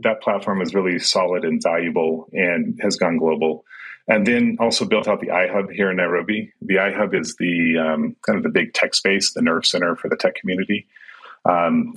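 A man's voice: deep voice, fairly even intonation, normal speed, fairly bright tone, breathy edge, low-quality recording. A middle-aged man who grew up in Sudan and Kenya, a tech entrepreneur answering interview questions in a thoughtful way, with many fillers and restarts.

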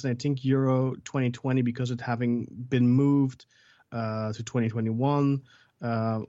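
Halting Belgian-raised man, flat dull audio. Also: mid-range voice, no echo. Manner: halting, many fillers and restarts. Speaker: football journalist guest. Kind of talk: casual podcast interview.

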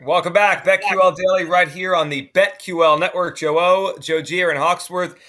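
A man hosting a sports betting podcast, energetic and incredulous. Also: sits high, moderate pace, faint music behind. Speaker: podcast host. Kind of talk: casual chat.

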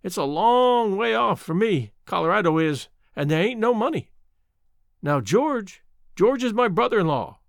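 Man doing a meek old widow, raised pitch, lively lilt, dry close sound. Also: measured pace, creaky, dry recording, heavily acted. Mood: plaintive. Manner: rural dialect, homely grammar; apologetic, wistful. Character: poor old widow from the mountains, gentle.

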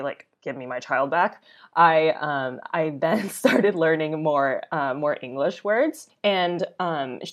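Woman, low pitch, American accent, casual podcast guest, conversational, personal anecdotes. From Boston, United States. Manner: conversational, often uses "like", acts out quoted remarks. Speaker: podcast guest, travel blogger. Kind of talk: casual personal storytelling in interview.

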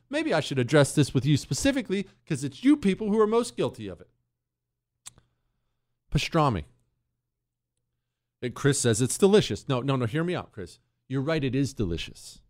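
A man's voice: medium pitch, darkish tone. A man hosting a talk radio show, ranting in mock outrage and teasing his co-host. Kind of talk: opinionated talk radio monologue.

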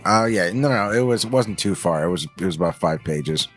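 Low-voiced man rambling in casual chat. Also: animated, a little fast, soft background music. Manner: rambling, profane, self-mocking. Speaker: podcast co-host.

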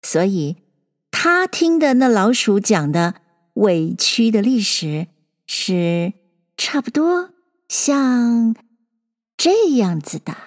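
A woman reading a children's story aloud, gentle and expressive. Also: a little high, takes it slowly, in a large hall.

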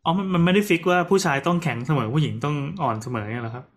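A fairly high male voice speaking quickly in a casual conversation. He keeps asking quick follow-up questions. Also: lively intonation. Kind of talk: casual podcast chat.

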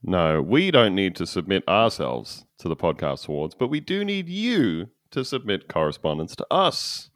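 Deep, swooping sarcastic man. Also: sing-song, normal speed, few pauses, no echo, clean studio sound. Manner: sarcastic, mock-theatrical announcing. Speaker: podcast co-host. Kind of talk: casual comedy chat.

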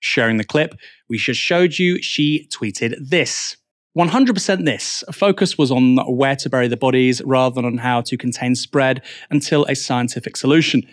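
A man's voice: medium pitch, moderate pace, no echo. A male news host delivers scripted presentation in a mid-range voice. The sound is very dry, with no room around it.

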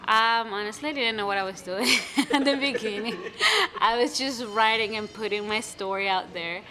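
A young woman speaking English as a second language, answering interview questions about her play in a lively, casual way with many restarts. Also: mid-range voice, normal speed. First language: not English. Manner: animated, many restarts and fillers. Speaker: playwright guest.

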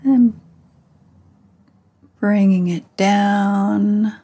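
A woman leading a guided meditation as a teacher, giving gentle instructions with long pauses. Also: medium pitch, fairly even intonation, breathy edge.

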